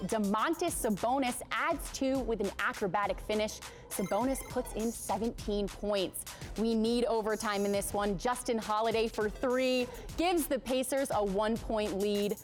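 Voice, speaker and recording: A woman with an American accent reading a scripted sportscast as anchor. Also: fairly high pitch.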